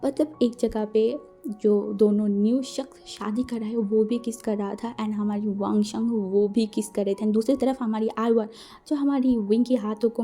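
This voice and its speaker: A woman's voice: fairly high pitch, dark tone. A woman casually retelling a fan-fiction story as a channel host, chatty and full of filler phrases.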